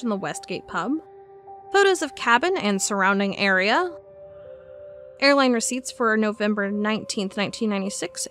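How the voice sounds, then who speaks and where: A woman's voice: mid-range voice, fairly bright tone. A woman playing an inquisitive FBI cold case agent in an audio drama. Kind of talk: audio drama acting, reading case files aloud.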